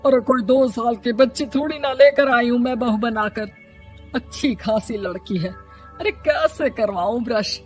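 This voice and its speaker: A woman voicing an irritable, proud middle-aged mother-in-law in an animated story, nagging and scolding with exasperation. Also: fairly high pitch, unhurried, faint music behind, lightly acted. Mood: indignant.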